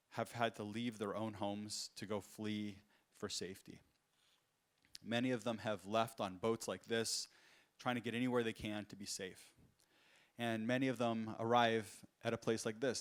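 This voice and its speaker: A man, an entrepreneur, giving an earnest conference talk full of personal stories, with frequent fillers and restarts. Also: fairly low pitch. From United States. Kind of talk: conference keynote storytelling. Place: conference stage.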